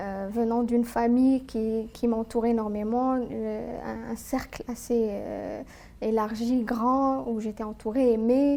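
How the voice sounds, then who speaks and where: A woman with a fairly high pitch and a dark, mellow tone speaks very slowly with fairly even intonation. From Algeria (Algiers). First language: Algerian Arabic (speaking French). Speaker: tax lawyer. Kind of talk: interview.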